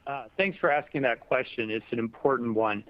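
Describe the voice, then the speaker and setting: Man giving measured executive answers, dull audio. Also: medium pitch, no room sound. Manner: measured, diplomatic, explanatory. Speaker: company executive answering questions on an earnings call. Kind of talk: semi-formal spoken business answers. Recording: dull lo-fi conference call audio.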